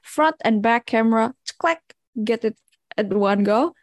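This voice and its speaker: A woman's voice: on the high side, lively intonation, unhurried, no echo, clean studio sound. A young woman with an Indonesian accent, explaining eagerly in casual chat with friends, breaking into laughs.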